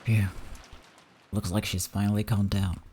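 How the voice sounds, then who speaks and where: Guy, low voice, chill chatty let's play host. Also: unhurried, slight background noise. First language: Dutch. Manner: relaxed, chatty asides. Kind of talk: reading a visual novel aloud.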